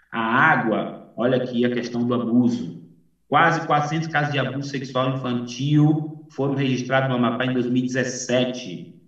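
A man speaks in a normal speaking voice at a medium pitch. He goes at a fairly slow pace with fairly even intonation. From Bahia, northeastern Brazil. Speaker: missionary pastor. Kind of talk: missionary report presentation to a church.

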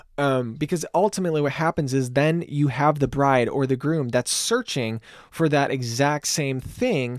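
A man with an American accent speaks in a fairly high pitch and an animated tone, with ordinary pitch variation at a moderate pace. The recording is very clean with a silent background, and the sound is dry and close with no echo. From Michigan, US. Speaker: photographer and business educator podcast host. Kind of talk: solo podcast monologue, tutorial. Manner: casual, animated.

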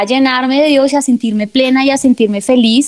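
A woman's high-pitched, very fast speech over noticeable background noise. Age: 30s. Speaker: podcast co-host. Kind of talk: casual chat.

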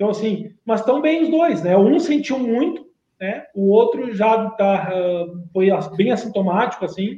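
A high-pitched male voice, dark and mellow in tone, with lively intonation at a fairly slow pace. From Rio Grande do Sul, Brazil. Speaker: running coach, former elite athlete. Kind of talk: casual chat.

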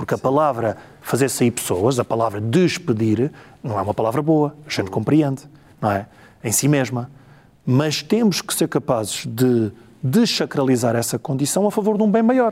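A man's medium-pitched voice at a moderate pace, with very wide pitch swings. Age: 40s. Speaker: public agency president. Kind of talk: interview.

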